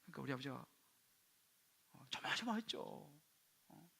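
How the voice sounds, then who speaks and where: A male pastor telling a personal story in a sermon, dropping to hushed quoted asides and rising into sudden loud bursts. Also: medium pitch, lively intonation, normal speed, vocal fry, breathy edge. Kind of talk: sermon testimony.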